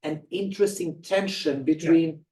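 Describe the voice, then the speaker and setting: Man, audience question at a lecture, hesitant, searching for words, fairly high voice, distant from mic. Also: moderate pace, warm tone. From Portugal. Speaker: audience member asking the speaker a question. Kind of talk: question after an academic lecture. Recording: voice picked up from far off the mic.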